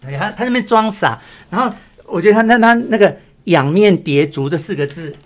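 A man, co-hosting a casual chat and animatedly retelling a classic novel. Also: high voice. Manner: animated, drops into quick acted quotes. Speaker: podcast co-host.

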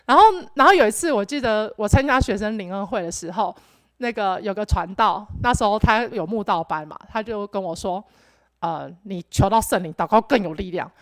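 A woman's voice: medium pitch, brisk, a bit bright, no echo. A young woman gives an earnest personal testimony at church, rambling with restarts and fillers. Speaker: church member giving testimony.

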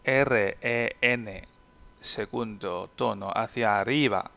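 A man whose first language is Chinese teaches a podcast language lesson, explaining words patiently and saying example sentences slowly and carefully. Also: fairly low pitch, gravelly, sharp tone.

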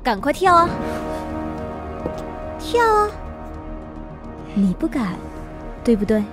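Woman as brainy, taunting scientist, highish pitch, animated intonation, radio drama, music behind. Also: takes it slowly, heavily acted. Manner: taunting, clever, expressive. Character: cool, cocky, analytical female brain scientist. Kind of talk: Mandarin radio drama acting.

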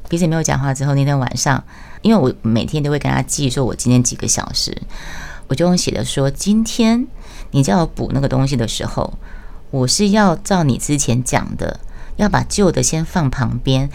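A woman's voice: rumbling low, gravelly. A middle-aged woman casually recounting her job, acting out quoted exchanges with sudden raised voices. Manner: animated, acts out quoted lines in raised voice. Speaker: voice worker recounting her tofu stall job. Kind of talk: casual storytelling monologue.

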